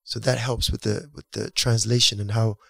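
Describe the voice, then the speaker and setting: A man's voice: lowish voice, little pitch movement, normal speed, vocal fry, pushed and bright, dry recording. A man from Nigeria whose first language is Yoruba, a guest musician talking about his career in a casual, rambling, reflective interview.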